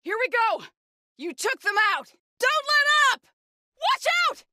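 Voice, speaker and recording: A woman's voice: very high-pitched, big pitch swings, slow, pushed and bright, no room sound, studio quality, exaggerated voice. An actress playing an earnest female tribal warrior companion, delivering short, emphatic battle lines for a video game. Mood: urgent, fierce.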